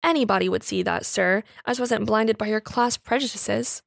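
A woman's voice: medium pitch, moderate pace, vocal fry, no echo, studio quality. A woman voicing a pert, defiant young housemaid with uneducated servant's speech in a story reading.

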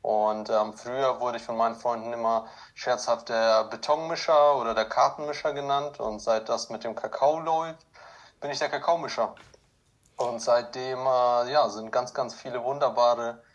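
A man born in Ukraine and raised in southern Germany talks as a podcast guest. He tells his stories relaxed and at an easy pace, with many filler sounds. His voice sits at an ordinary middle pitch. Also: normal speed. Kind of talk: conversational interview.

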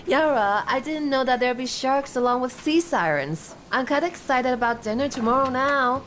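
A woman's voice: high-pitched, lively intonation, normal speed, a bit bright, a little hiss or hum. A woman playing a tabletop role-playing game, improvising casually for her character in a breezy, conversational way.

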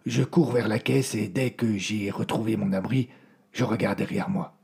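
Male storyteller, hushed suspenseful narration, low voice, very breathy. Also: moderate pace.

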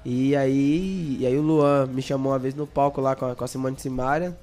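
A man's voice: mid-range voice, fairly even intonation, normal speed, mellow, soft background music. A young man from Bahia with a Bahian accent, a songwriter chatting and joking in an interview, often stammering on repeated words. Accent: Bahian Brazilian Portuguese. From Bahia, Brazil. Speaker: songwriter guest. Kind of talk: casual interview chat.

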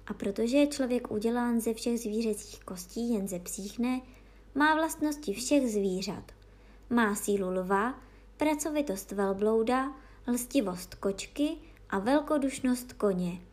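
A woman reading a fairy tale aloud as narrator, in a slow, measured and expressive way. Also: a little high.

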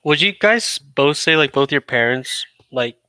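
Bright crisp young male interviewer. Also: on the high side, lively intonation, measured pace, no echo. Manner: curious, asks probing questions. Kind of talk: casual interview chat.

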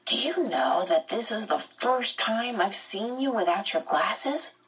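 A woman doing a gentle teenage boy. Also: fairly high pitch, animated, unhurried, breathy edge, distant mic, voice pushed up, heavily acted, poor audio. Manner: gentle, reassuring.

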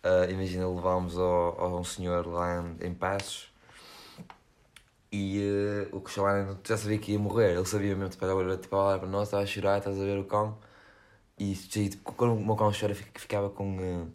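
A man's voice: low voice, monotone, a little fast, a little mellow. A young man with a European Portuguese accent, co-hosting a casual podcast and telling rambling stories full of slang and fillers. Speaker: podcast co-host. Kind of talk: casual chat.

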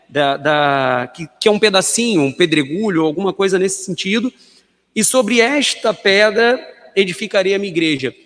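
A Brazilian man explaining a Bible passage in a measured teaching tone. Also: high-pitched, a bit bright, long reverb tail. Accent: Brazilian Portuguese. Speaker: Bible study panelist.

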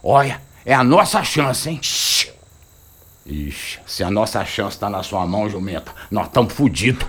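A man's voice: lowish voice, big pitch swings, measured pace, husky, exaggerated voice. An actor playing a cranky, swaggering, foul-mouthed gunman in a radio drama, with a rural northern Minas Gerais accent. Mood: conspiring, scornful. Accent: rural northern Minas Gerais Brazilian. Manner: grumbling, colloquial, cursing.

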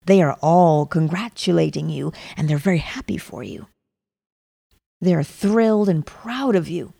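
A woman softly narrating a guided meditation in a soothing manner, with gravelly fry and breathy phrase endings that trail toward a whisper. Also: on the low side, measured pace. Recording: long reverb on the voice.

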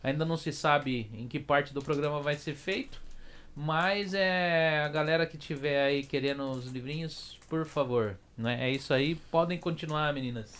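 A man's voice: fairly high pitch, normal speed, a bit bright, clean tone. Joking man making livestream announcements. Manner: joking, informal. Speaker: livestream co-host.

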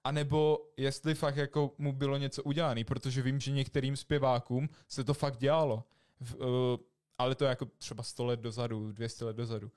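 A young man co-hosting a podcast, chatting casually in slangy, excitable talk. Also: mid-range voice, hardly any pauses, clear, resonant tone. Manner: slangy, excitable, imitates voices in stories. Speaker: podcast co-host. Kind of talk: casual chat.

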